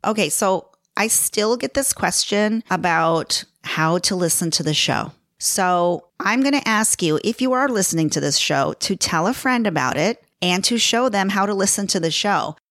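A woman's voice: medium pitch, expressive, moderate pace, hardly any pauses, a bit bright, no room sound, studio quality. A middle-aged woman with a Chicago accent hosting her own podcast, chatting casually and laughing at herself as she talks. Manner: chatty, self-deprecating, laughs often. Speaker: podcast host. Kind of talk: casual solo podcast talk.

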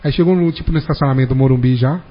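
A man, telling a long anecdote fast and animatedly in casual podcast chat. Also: medium pitch. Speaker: podcast guest. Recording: dull, reverberant room recording.

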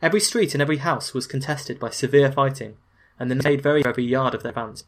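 A man narrating history from a script, at a mid-range pitch. He delivers the account with a wry, opinionated edge and drops in dry, sarcastic asides. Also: quick pace.

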